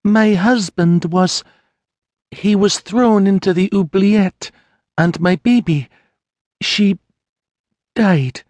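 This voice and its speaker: A man voicing a grieving young peasant mother, tearful and humble, speaking in halting, broken phrases. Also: sits high, darkish tone, no echo, pitched above the performer's own voice. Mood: sobbing.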